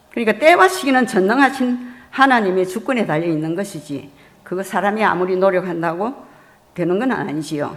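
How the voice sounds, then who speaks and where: Over noticeable background noise and audible room echo, a woman with a medium pitch talks fairly quickly with lively intonation. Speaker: retired missionary. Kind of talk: testimony at church prayer meeting.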